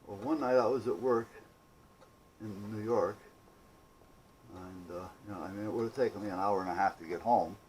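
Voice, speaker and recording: Male DIY vlogger, low mellow voice, folksy off-the-cuff storytelling, light ambient noise behind. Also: normal speed, pauses often, low-quality recording. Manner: folksy, salty-tongued, conversational. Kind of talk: casual rambling storytelling.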